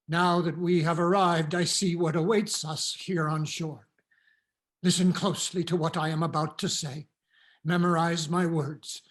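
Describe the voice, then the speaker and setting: An actor reading the part of a cautious, commanding father in a Greek tragedy, in a measured, solemn, instructive manner. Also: a little high, natural voice. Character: cautious, commanding elderly father leading refugee daughters.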